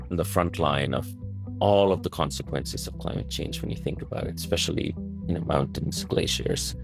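A journalist guest in an interview, answering thoughtfully and filling his speech with "you know" and "right". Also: very deep voice. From Nepal.

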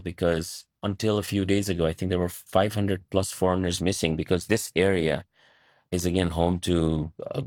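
A man's voice: low voice, no room sound, studio quality. A journalist guest in an interview, answering thoughtfully and filling his speech with "you know" and "right". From Nepal.

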